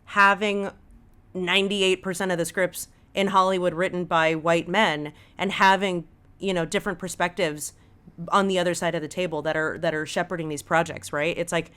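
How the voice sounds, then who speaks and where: A woman's voice: on the low side, steady tone, moderate pace, a bit bright, clean tone. A woman with an American accent talking casually and earnestly in an interview, often checking that the listener follows. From Los Angeles, United States. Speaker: podcast guest, audio drama writer. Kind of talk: casual conversational interview talk.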